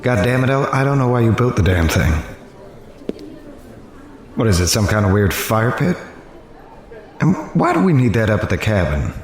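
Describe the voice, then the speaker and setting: A man acts a harried newspaper reporter telling his story in first person. The voice is on the low side. It rings in a roomy space with faint ambience. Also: big pitch swings, moderate pace, pauses often, a little hiss or hum. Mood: exasperated, hurried. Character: harried, determined male newspaper reporter narrating. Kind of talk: first-person audio drama narration.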